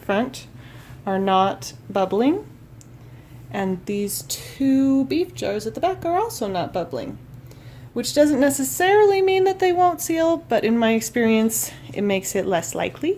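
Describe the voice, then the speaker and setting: Against noticeable background noise, a woman talks at a fairly slow pace with very wide pitch swings. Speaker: home cook and food preservation vlogger. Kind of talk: tutorial; casual chat. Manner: hesitant with frequent ums. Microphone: camera far from her, has to talk loudly.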